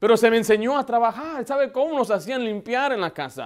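In a quiet background, the words come at a fairly quick pace. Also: man. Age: 30s. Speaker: pastor. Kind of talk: sermon. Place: church. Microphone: lapel.

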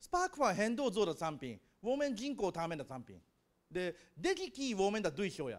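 Here a man speaks at a high pitch. His voice makes very wide pitch swings. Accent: Japanese. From Japan. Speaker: open source community organizer. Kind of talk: conference talk. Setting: stage with audience. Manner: halting.

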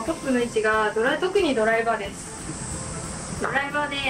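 Faint music plays in the background. Over it, a woman speaks at a moderate pace. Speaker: golf instructor. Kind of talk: tutorial. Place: open country.

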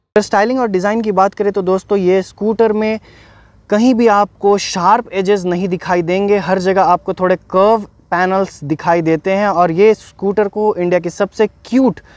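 At a fairly slow pace, a man with a high pitch speaks with fairly even intonation in a dry sound with no echo. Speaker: scooter reviewer. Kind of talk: casual vlog review. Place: open country. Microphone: phone near.

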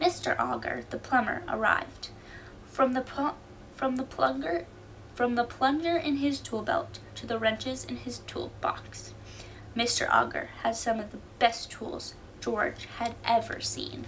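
Over light background noise, a woman speaks at a fairly slow pace with big swings in loudness. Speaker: storybook reader. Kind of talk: reading a children's story aloud. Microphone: camera far.

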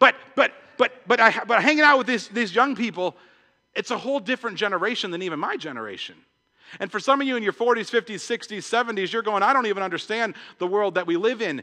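A man with a high pitch uses a raised, projected voice and a bright, sharp tone at a fairly quick pace. His pitch variation is ordinary, and the background is quiet. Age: 30s. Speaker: pastor. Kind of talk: sermon. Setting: church. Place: church.

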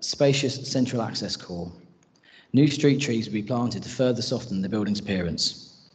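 Here a man talks at a fairly quick pace. His voice is somewhat breathy. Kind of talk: formal presentation. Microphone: video call.

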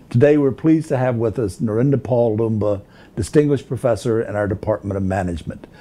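Here a man speaks at a fairly quick pace with lively intonation. His medium-pitched voice has a dark, mellow tone. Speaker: business school dean. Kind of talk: interviewer. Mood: warm, appreciative. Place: office. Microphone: lapel.

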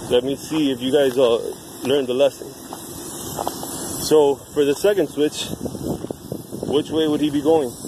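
Dry sound without echo, noticeable background noise, and a moderate pace. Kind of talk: tutorial. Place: open country. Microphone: phone near.

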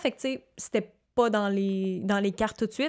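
Her intonation stays fairly even at a moderate pace. The woman speaks over a quiet background. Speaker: podcast guest. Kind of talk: interview answer. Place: studio. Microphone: studio mic.

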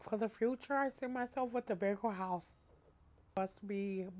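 Her pitch sits at a medium level for a woman. She talks with an American accent. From Oklahoma and California. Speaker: homemaker. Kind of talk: personal testimony interview. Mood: reflective, quietly emotional. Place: home room.

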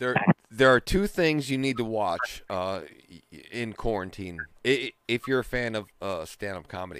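A man with an American accent speaks with lively intonation and big swings in loudness in a very clean recording with a silent background. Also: medium pitch for a man, fairly slow pace. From Milwaukee suburbs, Wisconsin. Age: 40s. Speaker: podcast co-host and producer. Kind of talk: casual chat.

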